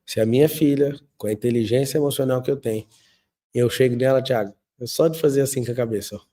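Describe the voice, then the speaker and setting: A man from Brazil giving an emphatic, faith-tinged motivational talk, acting out quotes and moving between loud and soft passages. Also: mid-range voice, quick pace. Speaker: speaker of a motivational talk show. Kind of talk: motivational talk with faith themes and family stories.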